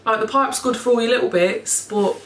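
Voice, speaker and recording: A woman, a bit hoarse, chatting casually and rambling to camera in her kitchen, swearing and laughing now and then. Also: on the high side, a little fast, over music. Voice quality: a bit hoarse, froggy throat. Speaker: cleaning vlogger. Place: home kitchen, indoors. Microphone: camera in front of her at table height. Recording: echoey kitchen with background noise.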